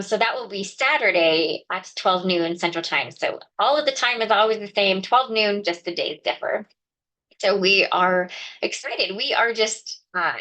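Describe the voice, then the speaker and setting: A woman's voice: medium pitch, a bit bright, poor audio. Chatty woman hosting a craft livestream. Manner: chatty, explanatory, talks to viewers by name. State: slightly sniffly from a cold. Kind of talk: casual live craft demonstration.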